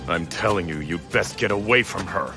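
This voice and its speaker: An actor playing a haughty, threatening warrior in an overacted anime dub, with imperious, archaic phrasing. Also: male voice, deep voice, normal speed, close to an everyday voice. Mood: cold menace. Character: menacing zealous male warrior, haughty and threatening. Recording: loud music behind the voice.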